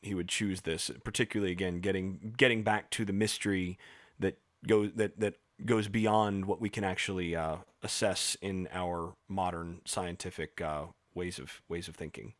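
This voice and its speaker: A man explaining ideas in a casual podcast discussion, professorial and halting, with frequent restarts and fillers. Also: low-pitched, fairly even intonation, dry recording, studio quality. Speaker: podcast co-host.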